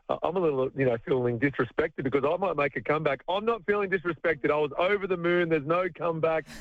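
A man's voice: a little high, no room sound. A man in his thirties from country New South Wales with an Australian accent, a retired basketball player telling stories with a laugh as a radio guest. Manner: chatty storyteller, laughs often. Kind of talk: radio phone interview. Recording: tinny phone line, dry.

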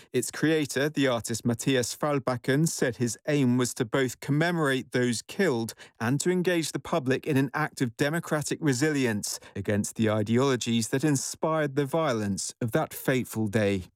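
A male reporter delivering a scripted news report in a measured, serious way. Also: medium pitch, no echo.

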